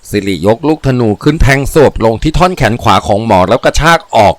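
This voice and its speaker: A man narrating a crime adventure novel in a steady, vivid storytelling voice. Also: mid-range voice, quick pace, no room sound. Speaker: audiobook narrator. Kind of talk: dramatic audiobook reading.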